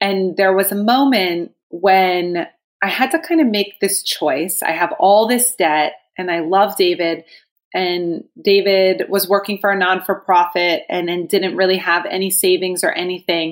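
This woman has an unremarkable speaking voice at a medium pitch with ordinary pitch variation. She speaks at a fairly slow pace. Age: 30s. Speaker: supplement company founder. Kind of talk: interview.

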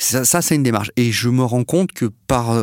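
An ordinary speaking voice holds a moderate pace and ordinary pitch variation in a very clean recording with a silent background. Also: man. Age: 40s. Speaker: home energy and food self-sufficiency experimenter. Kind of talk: interview. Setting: studio.

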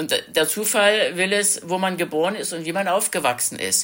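A woman talks at a moderate pace in an unremarkable speaking voice. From East Germany, Chemnitz (Saxony). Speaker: writer. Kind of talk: interview.

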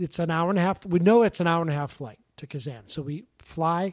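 On a very clean recording with a silent background, a man with an American accent and a normal speaking voice talks at a fairly quick pace, with a fairly high pitch and ordinary pitch variation. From Pittsburgh, Pennsylvania. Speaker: sports columnist. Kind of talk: casual chat.

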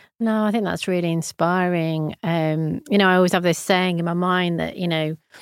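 An ordinary speaking voice, this woman's fairly low pitch and fairly even intonation move at a moderate pace, captured with a dry, close sound, no echo, and a very clean recording with a silent background. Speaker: podcast host. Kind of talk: interview conversation.

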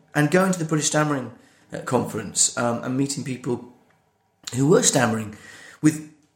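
A somewhat breathy delivery with ordinary pitch variation. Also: man. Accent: Welsh. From rural Wales. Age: 40s. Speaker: poet and author. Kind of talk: interview conversation.

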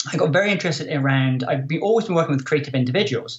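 A fairly high-pitched man with lively intonation. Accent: Scottish. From Scotland. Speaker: creativity author and speaker. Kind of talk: interview.

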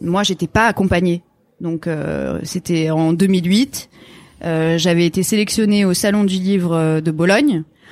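A woman speaks in a plain, everyday voice. She talks at a fairly slow pace with ordinary pitch variation. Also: fairly low pitch for a woman. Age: 30s. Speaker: illustrator. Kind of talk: live panel discussion. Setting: stage with audience.

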